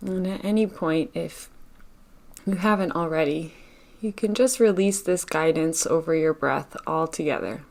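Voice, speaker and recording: A woman with a somewhat low-pitched voice guides a meditation session. She speaks gently and takes her time, breaking her instructions into short phrases with generous pauses between them. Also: creaky.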